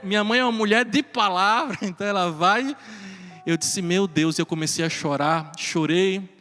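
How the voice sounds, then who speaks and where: A man, a priest telling a personal story in a sermon, animated and then hushed for tender moments. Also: high-pitched. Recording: reverberant church hall with faint music.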